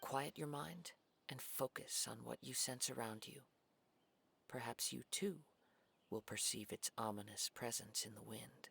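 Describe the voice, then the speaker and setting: An actor voicing a composed young male samurai wanderer who speaks in a measured, formal way. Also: medium pitch, steady tone, creaky, sharp tone, breathy edge, full character voice. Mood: solemn.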